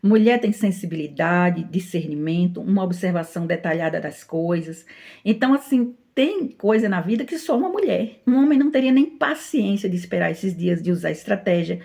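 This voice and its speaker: A middle-aged woman with a Brazilian Portuguese accent gives an informal devotional talk in a gentle, chatty way, often laughing as she speaks. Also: lowish voice, animated, moderate pace, vocal fry. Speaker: Christian teacher.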